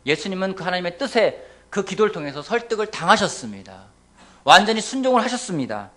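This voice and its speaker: A male pastor preaching a sermon, swinging between loud exclamations and hushed near-whispers. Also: high voice, big pitch swings, fast. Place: church sanctuary.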